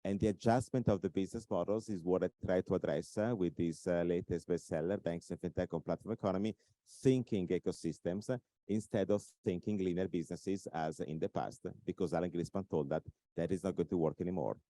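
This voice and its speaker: A man with an Italian accent giving a conference talk, speaking in measured phrases with frequent fillers. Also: sits low, mellow, no room sound. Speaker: invited speaker.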